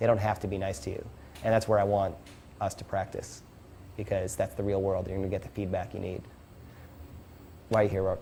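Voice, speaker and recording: This man's voice is fairly low, dark and mellow, soft-spoken and somewhat breathy, with monotone, flat intonation. He talks at a very fast pace, broken by long, frequent pauses. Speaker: dating coach. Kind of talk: workshop instruction.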